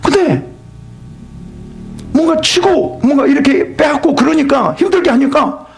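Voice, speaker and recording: A male pastor preaching a sermon with a raspy voice, swinging from loud to whispered. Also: very high-pitched, animated, a little slow, soft background music.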